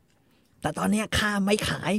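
A man's voice: a little slow, a bit bright, dry recording, clean studio sound, lightly acted. A man voicing a boastful, arrogant Texas ranger who talks down to others coarsely. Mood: huffy. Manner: bragging, scornful, coarse.

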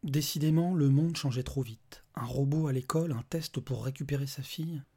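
A man narrating a dark short story in a measured, dramatic reading style. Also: mid-range voice, breathy edge. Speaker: reader of short stories. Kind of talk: scripted narration.

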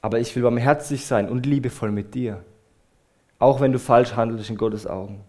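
A male preacher giving a sermon in an earnest, emphatic way. His voice sits at an ordinary middle pitch for a man. He leans hard on key words, then lets many phrase endings drop away softly as he turns to address the congregation directly. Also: normal speed.

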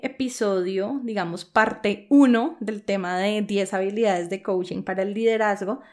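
A woman podcast host teaching coaching skills for leaders, explaining step by step and often checking in with a questioning "¿sí?". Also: on the high side. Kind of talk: instructional podcast talk.

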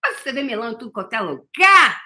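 A woman's voice: on the high side, big pitch swings, fast talker, pushed and bright. A middle-aged woman with a Brazilian Portuguese accent, giving a live motivational talk. She speaks emphatically, often calls the listener "meu amor" and swears now and then. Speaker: motivational coach.

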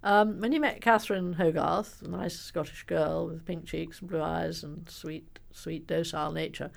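An older woman speaks with a gravelly, slightly creaky voice. She tells her story with animated emphasis and pauses on ums as she recalls details in a conversational interview. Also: low-pitched. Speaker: biographer and author being interviewed.

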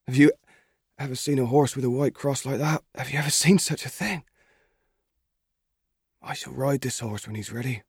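A man's voice: mid-range voice, normal speed, pauses often, breathy edge, no room sound, studio quality, pitched above the performer's own voice. A man voicing an eager, earnest thirteen-year-old farm boy in a storybook reading. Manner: excited, gentle, earnest. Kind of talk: audiobook character voice.

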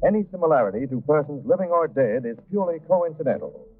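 A man's voice: fairly high pitch, lively intonation, fast. A man speaking as an old-time radio announcer, reading a formal scripted notice. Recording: muffled, tinny old radio broadcast.

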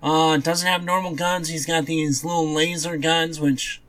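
A man's voice: on the high side, little pitch movement, measured pace, fairly bright tone. A man co-hosting a podcast in casual, blunt chat about comics, dismissive and given to offhand swearing. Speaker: podcast co-host.

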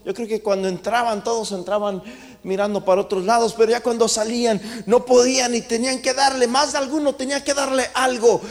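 High-voiced impassioned man preaching. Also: fairly even intonation, a little fast. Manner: impassioned, swings between loud calls and hushed asides. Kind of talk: sermon. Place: church sanctuary. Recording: long church reverb.

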